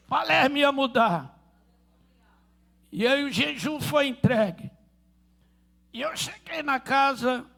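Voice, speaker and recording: A pastor with a Rio de Janeiro accent preaching a fervent sermon and telling stories. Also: male voice, very high-pitched, gravelly, sharp tone. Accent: Rio de Janeiro Portuguese.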